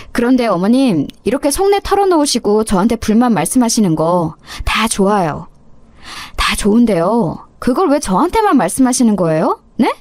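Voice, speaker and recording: A woman's voice: on the high side, a little mellow, dry recording, clean studio sound. A woman voicing a young, insolent daughter-in-law who talks back with sarcastic, mock-polite cruelty, for a radio story drama.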